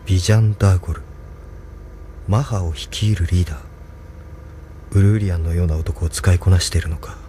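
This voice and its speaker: A man's voice: sits low, fairly even intonation, a little fast, long pauses, warm tone, a little hiss or hum, close to an everyday voice. An actor playing a guarded young man who asks probing questions in a radio drama. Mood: wary. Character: young male heir to a rebel cause, wary. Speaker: young rebel leader.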